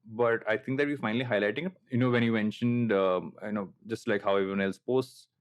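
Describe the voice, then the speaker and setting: A man's voice: lowish voice, fairly even intonation, quick pace, clear, resonant tone. Telugu-accented Indian man, late thirties, chatting. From coastal Andhra Pradesh, India. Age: late 30s. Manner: anecdotal, self-deprecating. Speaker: podcast host. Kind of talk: casual reflective conversation.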